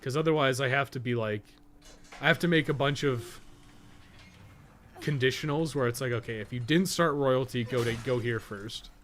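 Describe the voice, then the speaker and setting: A man's voice: mid-range voice, moderate pace, fairly bright tone. A man giving casual gaming commentary, thinking aloud in a rambling, profane way with joking asides. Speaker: podcast co-host playing a video game.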